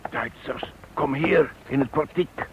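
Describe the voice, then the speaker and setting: A man's voice: mid-range voice, slow, close to an everyday voice. An actor playing an anxious, hunted man hiding from his pursuers in a radio drama. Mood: frightened, urgent. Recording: muffled, faintly noisy radio recording.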